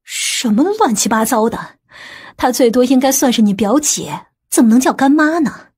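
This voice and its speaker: A woman's voice: on the high side, moderate pace, a little mellow, slightly rough. A woman playing a stern, principled middle-aged aunt in an audiobook, blunt and skeptical. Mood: questioning. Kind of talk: audiobook character acting.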